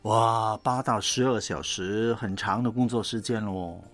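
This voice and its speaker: A man's voice: on the low side, measured pace, fairly bright tone, soft background music. A man from Guangdong with a Cantonese accent hosts a radio phone-in conversationally, encouraging and often echoing what he is told. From Guangdong, southern China. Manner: encouraging, asks and echoes back. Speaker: Christian radio host.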